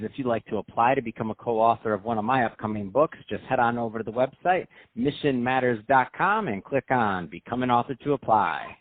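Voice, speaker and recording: A male podcast host speaking in an energetic, chatty, promotional way, with a narrow, phone-like recording. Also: mid-range voice, no echo. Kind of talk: upbeat podcast hosting and ad read.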